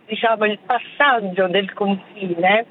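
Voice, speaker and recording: A woman in her seventies calling a radio show from her car on a hands-free speakerphone, talking in a hesitant, halting way with many fillers. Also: mid-range voice. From Bari, southern Italy. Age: 70s. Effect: speakerphone call from a moving car. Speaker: radio caller. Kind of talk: phone-in chat. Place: in a car while driving. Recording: tinny phone line, faint car noise.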